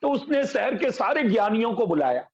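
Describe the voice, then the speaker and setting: A man's voice: very high voice, big pitch swings, normal speed, lo-fi sound. A male pastor preaching a sermon, telling folksy anecdotes and stories, over an online call. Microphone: video call.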